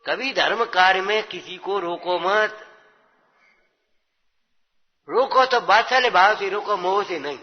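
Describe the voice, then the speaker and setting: High-voiced man preaching in a hall. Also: normal speed. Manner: exhorting, checks with rhetorical questions. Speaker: religious teacher. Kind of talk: scripture discourse sermon. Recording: dull lo-fi with long hall reverb.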